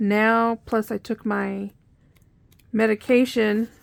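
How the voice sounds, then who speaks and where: A woman speaks very slowly at a fairly high pitch. The sound is dry and close, with no echo. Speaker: crafting YouTuber. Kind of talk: product unboxing. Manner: slow, halting.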